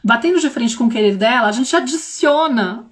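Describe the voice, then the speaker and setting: A young woman with a high, bright-toned voice gives a casual livestream talk as a parenting mentor. Her São slips in often, and she talks straight to her viewers with lively, animated delivery. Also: fairly quick. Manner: animated, addresses viewers directly, acts out quoted voices.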